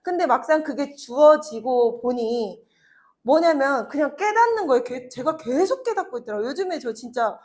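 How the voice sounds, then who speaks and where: Woman, thirties, high-pitched, motivational speaker, chatty storytelling. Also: animated, normal speed, a little mellow. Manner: chatty storytelling with laughs and acted quotes. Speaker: network marketing speaker. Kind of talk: motivational talk to an audience.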